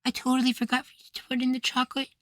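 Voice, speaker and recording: A man playing an affectionate, easily flustered young femboy househusband in an intimate ASMR roleplay, speaking in a soft, feminine, coaxing way. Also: very high-pitched, completely flat delivery, fast talker, no echo. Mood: flustered, upset. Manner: coaxing, gently praising, sweetly apologetic.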